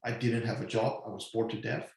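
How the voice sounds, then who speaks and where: A man in his forties who grew up in Hong Kong, telling his story as an interview guest in a halting way, with many "okay" and "um" fillers. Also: on the low side, steady tone, gravelly, a little mellow. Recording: very echoey room.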